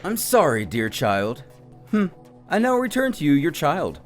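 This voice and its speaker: A man's voice: fairly high pitch, wildly swooping pitch, a little slow. A man voicing a courtly attendant to a god, formal, flowery and melodramatic, in a storytelling recap. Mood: apologetic. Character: courtly, theatrical male attendant of a war god. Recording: music behind the voice.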